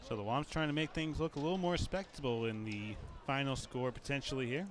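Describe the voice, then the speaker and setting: A mid-pitched man calls the action in a brisk, matter-of-fact way and slips in wry jokes between plays. Clear outdoor stadium noise sits behind his voice. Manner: brisk, joking. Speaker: play-by-play announcer. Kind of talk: play-by-play football commentary.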